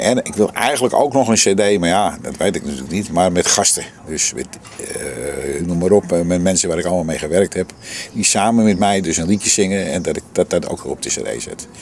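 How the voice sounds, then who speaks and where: Speaking fairly quickly with ordinary pitch variation, a man with a very deep, low voice is heard over noticeable background noise. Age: 70s. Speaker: amateur singer. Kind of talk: interview. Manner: halting, many hesitations.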